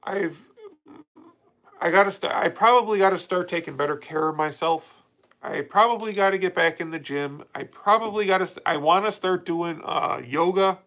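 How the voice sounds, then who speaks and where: A man's voice: sits high, moderate pace, a bit bright, a little hiss or hum, low-quality recording. A man in his late thirties hosting a casual livestream, talking candidly and rambling with frequent restarts as he answers viewer comments. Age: 30s. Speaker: livestream host.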